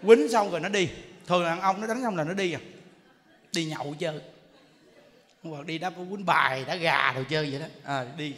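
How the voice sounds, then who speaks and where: A Buddhist monk with a fairly high pitch speaks a little fast but takes long pauses during a humorous dharma talk. He acts out little scenes and quarrels with animated storytelling, laughing often, amid long hall reverb and faint noise.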